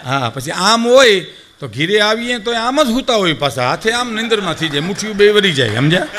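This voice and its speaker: A man's voice: high voice, brisk. An older man with a Saurashtra Gujarati accent telling folk anecdotes to a live audience, acting out the people he quotes and often calling listeners sir. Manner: animated, acts out quoted speakers, addresses audience as sir. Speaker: folk storyteller. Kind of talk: dayro storytelling to a live audience.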